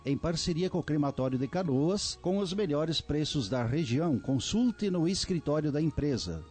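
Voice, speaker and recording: Husky guy, calm measured ad read, a bit high, soft music bed. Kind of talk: sober commercial read.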